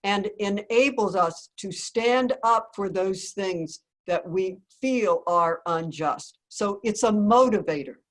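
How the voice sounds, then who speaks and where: A woman's voice: medium pitch, slow, few pauses. A woman voicing a wise, kindly old grandfather who speaks in a patient and instructive way as he recounts his story. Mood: patient teaching.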